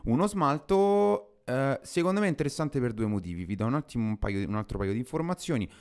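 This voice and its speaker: A man's voice: medium pitch, animated, a little fast, a little mellow, smooth. A man co-hosting a casual podcast chat about social media news. He laughs often. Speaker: podcast co-host.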